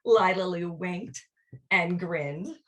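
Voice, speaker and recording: A woman reading a children's picture book aloud in an expressive, deliberate storytelling manner, drawing out her words. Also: fairly low pitch, far from the mic. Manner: animated, drawn-out, deliberate storytelling.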